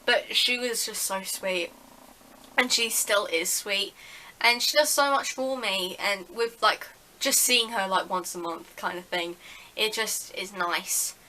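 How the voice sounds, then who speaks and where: A woman's voice: medium pitch, unhurried, pushed and bright, low-quality recording. A woman telling a story in a casual vlog, chatty and full of "like". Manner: chatty, heavy use of "like", acts out dialogue. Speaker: vlogger.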